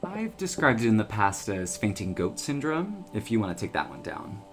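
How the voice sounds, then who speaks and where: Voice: medium pitch, very animated, moderate pace, music in the background, close to an everyday voice. A woman playing an easygoing, wry friend of a small-town oracle, talking casually and breezily in an audio drama.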